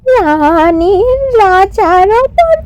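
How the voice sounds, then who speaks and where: A woman narrating a scripted fairy tale as a storyteller, with drawn-out, theatrical phrasing. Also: very high voice, expressive, darkish tone, dry recording, highs cut off.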